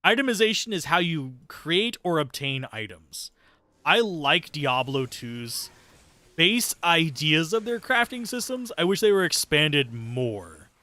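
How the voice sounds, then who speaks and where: A man's voice: fairly high pitch, very animated, measured pace, pushed and bright, dry recording. A man giving casual, sweary live gameplay commentary and chatting with viewers in a sardonic, self-deprecating way. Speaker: game streamer, host.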